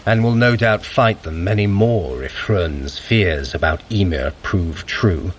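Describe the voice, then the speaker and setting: A haughty, sardonic trickster god in an audio drama. His fairly low voice swoops expressively through dry, eloquent, formal lines, with faint ambience behind it. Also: lively intonation, slow, slight background noise. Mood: wary, brooding.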